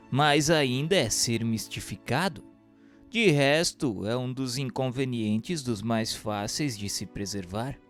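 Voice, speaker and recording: A man narrates a radio drama from a script, with a mid-range voice. His delivery is formal and declamatory, and music plays behind him. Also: medium pitch. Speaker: narrator and questioner.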